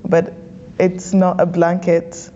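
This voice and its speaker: Mellow-voiced woman from Ghana. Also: fairly low pitch, completely flat delivery, takes it slowly, highs cut off. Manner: thoughtful, laughs easily, repeats words. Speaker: guest, career coach. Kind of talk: interview answers, storytelling.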